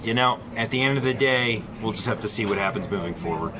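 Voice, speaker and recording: A man's voice: lowish voice, fast, background noise. A man answering interview questions in a casual, conversational style. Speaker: news reporter being interviewed.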